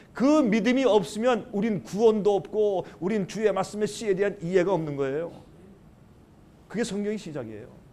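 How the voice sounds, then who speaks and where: Audible room echo surrounds a man whose high-pitched voice has a dark, mellow tone. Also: ordinary pitch variation. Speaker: pastor. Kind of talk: sermon. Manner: slow.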